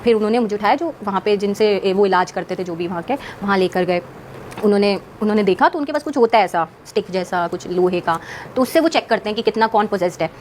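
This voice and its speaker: A woman's voice: medium pitch, fast talker, darkish tone, slight background noise. A woman, a singer, telling a personal story as a podcast guest in an earnest, rambling way, with English words mixed into her speech.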